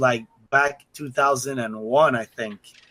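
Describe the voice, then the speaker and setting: A man's bright, sharp tone with a Spanish accent. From Panama. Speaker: pro wrestler and gamer. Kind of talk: casual chat.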